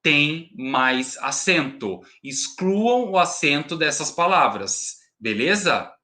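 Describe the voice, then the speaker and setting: A Brazilian man teaching a recorded class, his fairly high voice bright and ringing. He explains step by step, swinging his pitch up and down, and keeps asking the students whether they follow. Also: expressive, slow pace. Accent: Brazilian Portuguese. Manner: explanatory, frequent tag questions. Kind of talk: recorded remote class lesson.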